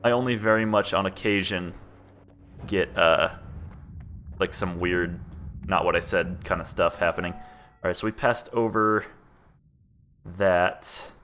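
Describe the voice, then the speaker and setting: A young man with a fairly low voice talks through his game in a flat, laid-back monotone, as if chatting to himself. He speaks into a desk mic. A faint background ambience hangs behind him. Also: measured pace, pauses often, slight background noise. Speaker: game streamer. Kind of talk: casual gameplay commentary.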